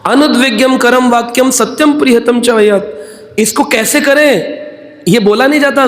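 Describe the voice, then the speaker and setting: Man with a high voice preaching, chants verses slow then jokes around with examples. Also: echoey room. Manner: chants verses slowly, then explains with playful everyday anecdotes. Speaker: spiritual speaker. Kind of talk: devotional discourse with humorous examples.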